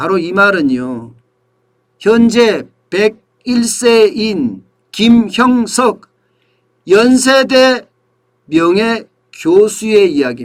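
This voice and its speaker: Long, frequent pauses mark a man's very slow speech, pitched high. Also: lively intonation. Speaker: political and economic commentator. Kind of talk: political commentary talk to camera.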